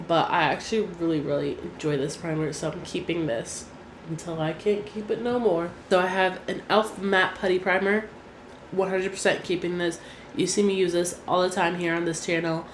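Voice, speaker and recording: A young woman with a fairly low, nasal voice from a recent cold chats easily about her things, her talk full of "like". She is recorded in an echoey room with a faint hum behind her. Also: steady tone, moderate pace. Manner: chatty, frequent "like" fillers. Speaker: beauty vlogger. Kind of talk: casual chat.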